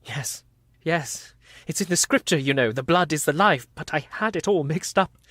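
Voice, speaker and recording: A man's voice: fairly high pitch, lively intonation, moderate pace, a bit bright, dry recording, studio quality. An actor playing a guilt-ridden, rambling asylum madman in a community radio play, swinging from mutters to frantic cries. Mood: haunted.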